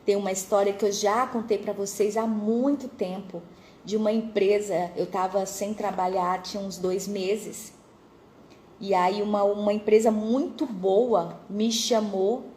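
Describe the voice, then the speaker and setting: A woman's voice: medium pitch, fairly even intonation, a little slow, mellow, a little hiss or hum, poor audio. A young woman with a Brazilian accent telling a religious parable and a personal story, chatting straight to her listeners. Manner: conversational, addresses listeners directly.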